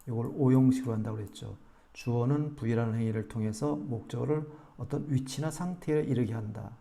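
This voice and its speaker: A man teaching English grammar and pronunciation, asking questions and answering them himself, then slowly repeating example sentences. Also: mid-range voice, creaky, dark tone. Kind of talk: explanatory grammar lesson.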